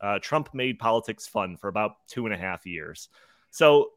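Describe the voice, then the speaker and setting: A man's voice: lowish voice, animated, normal speed, no echo, studio quality. A man hosting a live podcast in an informal, joking, chatty way. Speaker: podcast host.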